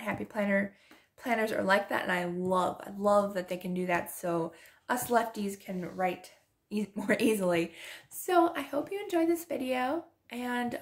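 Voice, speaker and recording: Her voice on the high side, a planner and journaling vlogger talks casually while decorating a planner. She speaks softly and drifts into whispers, laughing often as her voice turns hoarse.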